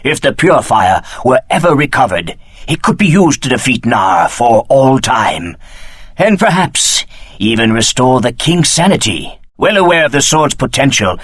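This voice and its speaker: A man voicing a solemn, apologetic village holy man in a fantasy video game, telling of his land in formal, measured phrases. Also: mid-range voice, big pitch swings, fairly bright tone, no room sound, clean studio sound. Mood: grave, mournful. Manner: formal, grave, measured storytelling.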